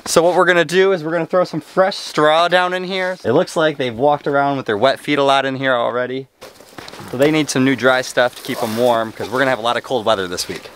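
A man's voice: mid-range voice, steady tone, fairly quick, a bit bright, slight background noise. A young man chatting casually to camera while doing farm chores outdoors in the snow, upbeat and friendly, holding the camera at arm's length. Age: young adult. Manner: upbeat, chatty, talks to his animals. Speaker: homesteading vlogger. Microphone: handheld camera at arm's length.

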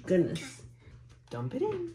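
A woman's voice: mid-range voice, huge pitch swings, takes it slowly. A woman in her thirties cooking at home with her toddler, talking in patient, sing-song coaxing phrases. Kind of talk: casual kitchen chat with a toddler. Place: home kitchen, indoors. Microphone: camera on the kitchen counter. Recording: roomy kitchen echo with clear background noise.

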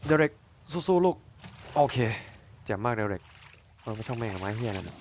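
Low-voiced man swearing through a game. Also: racing. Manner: crude, swears a lot, excitable outbursts; talks to his game character as if to another person. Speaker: gaming YouTuber. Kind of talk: casual let's-play commentary.

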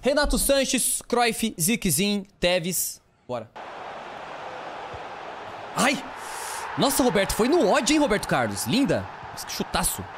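A man with a Brazilian Portuguese accent doing live gameplay commentary for a football video game. He yells at his players and talks in casual slang. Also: sits high, takes it slowly, pauses often, background noise. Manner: excitable, shouts at players, slangy banter. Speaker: gaming streamer.

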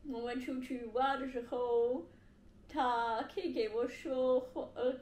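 Halting foreign woman speaking Mandarin, very slowly. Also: high voice, steady tone, a little mellow. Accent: foreign, non-native Mandarin. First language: not Mandarin. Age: young adult. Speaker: language learner vlogger. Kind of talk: casual talk to camera. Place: indoor living room with bare wall, on sofa. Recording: echoey room, faint background hiss.

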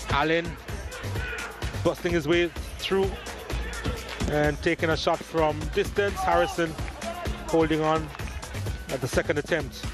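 Man, high voice, football highlights commentator, emphatic play-by-play, music underneath.

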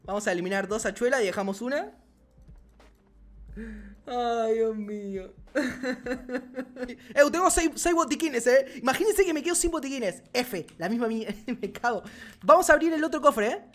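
A man with an Argentine accent giving excited gameplay commentary as a gaming channel host, swearing and shouting often. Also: very high voice, moderate pace, pauses often, soft background music. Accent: Argentine Spanish.

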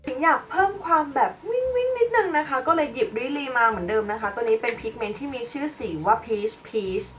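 A woman's voice: fairly high pitch, very animated, a little fast, few pauses, a bit bright. A young woman chatting casually as a beauty vlogger while she demonstrates makeup products. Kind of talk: casual makeup tutorial chat. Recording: voice a bit far from the mic, light background music.

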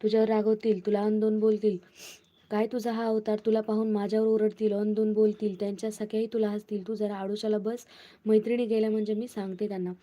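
A woman's voice: medium pitch, little pitch movement, fast talker, mellow, muffled recording, natural voice. A woman playing a cautious young palace maid in a spoken folk story, rattling off questions and warnings.

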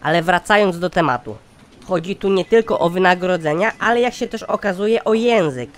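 A man with a voice that sits high speaks fairly quickly, lightly acting as a pompous, sardonic company chairman in a satirical cartoon. This scheming boss talks formally, sounding exasperated and lecturing.

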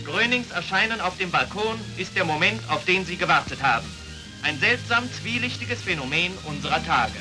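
A man with a high voice announces in a formal, measured way, his narration taken from an old newsreel. Loud music plays under him the whole time. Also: expressive, rough recording. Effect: old newsreel archive recording.

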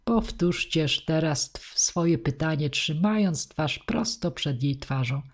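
A woman's voice: low voice, lively intonation, slow, full character voice. Patient kindly teacher, read by a woman. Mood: patient explaining. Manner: explaining gently and patiently. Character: patient female teacher of deaf children, kindly.

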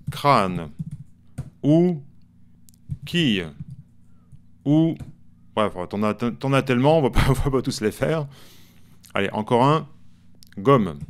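A man with a French accent teaching a playful songwriting lesson at a whiteboard, chatting casually and sounding out words slowly. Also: mid-range voice, clear, resonant tone. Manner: chatty, playful, sings example lines slowly. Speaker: music teacher.

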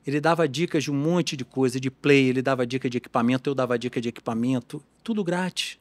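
A man, a guitar tech shop owner talking as a guest in a casual podcast conversation, animated and full of restarts. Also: mid-range voice, quick pace. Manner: animated, talkative, with frequent restarts.

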